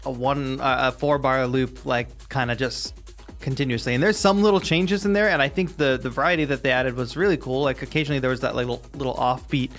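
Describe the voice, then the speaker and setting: A man hosting a live stream, chatting casually and giving conversational, softened critique of music. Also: mid-range voice, fairly even intonation, brisk. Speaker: host judging music challenge entries.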